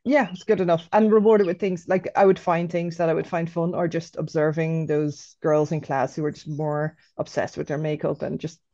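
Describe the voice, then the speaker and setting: A woman's voice: low-pitched, level tone, normal speed, few pauses, warm tone, no room sound, highs cut off. Dutch-raised woman with an Irish accent. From Netherlands. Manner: hesitant, many ums and restarts. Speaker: guest. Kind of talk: casual interview over video call. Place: outdoors by trees. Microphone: video call.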